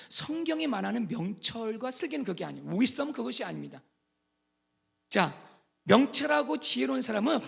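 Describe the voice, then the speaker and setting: A middle-aged male pastor delivers a sermon in a high, bright voice full of gravelly fry. He drops to hushed asides, then climbs to loud, emphatic repetition, mixing English words into his preaching. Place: church sanctuary.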